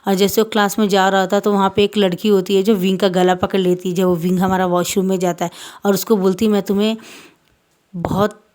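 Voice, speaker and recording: Woman reading out her fan fiction story, rambly, fixes herself a lot, flat monotone voice. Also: mid-range voice, fast. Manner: rambling, self-correcting mid-sentence. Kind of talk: casual story narration.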